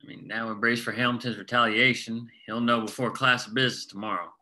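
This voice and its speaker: A man's voice: medium pitch, steady tone, fast, pushed and bright. A man voicing a wary male union miner who talks in a plain, guarded way.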